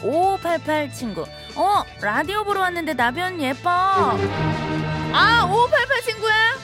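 A cheerful woman in her thirties hosts a live radio show, reading listener texts and teasing fans in the studio. Her voice sits high and swings widely in pitch. Music plays steadily beneath her talk. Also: very animated, slow. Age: 30s.

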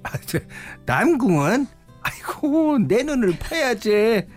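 An actress playing a brash, teasing middle-aged mother with a thick Jeolla accent and a husky voice. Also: a little high, sing-song, slow, soft background music, full character voice. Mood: scoffing. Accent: Jeolla dialect. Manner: exclaims and scoffs in thick dialect. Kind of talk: radio drama acting.

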